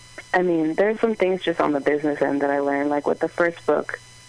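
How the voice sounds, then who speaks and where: Delivered at a moderate pace with an American accent, the speech comes through noticeable background noise. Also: long, frequent pauses. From US Northeast (suburbs of Boston). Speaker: author and zine writer. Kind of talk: interview.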